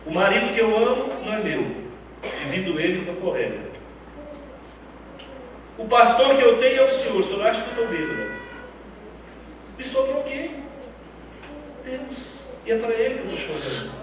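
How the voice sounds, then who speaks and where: A man voicing a barren woman pleading with God in the temple, low and rapid, heard from afar in an echoey church hall. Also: sing-song, far from the mic, background noise.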